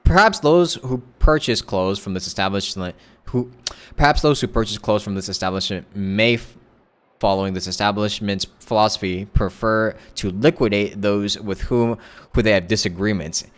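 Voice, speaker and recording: A man's voice: lowish voice, normal speed, fairly bright tone. A man livestreaming a game, reading text aloud with stumbles and reacting in casual, slangy commentary.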